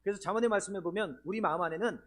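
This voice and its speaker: A male pastor from Korea's Chungcheong region preaches at a church healing seminar in the sanctuary, questioning the congregation as he goes. His voice is high and a bit bright, and he races along.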